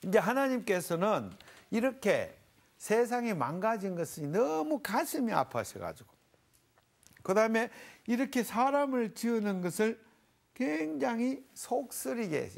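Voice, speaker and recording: Middle-aged pastor, lively pitch. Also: male voice, unhurried, creaky. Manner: animated and folksy, explains Hebrew words in homely terms. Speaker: pastor and Bible teacher. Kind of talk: televised Bible lecture with a panel.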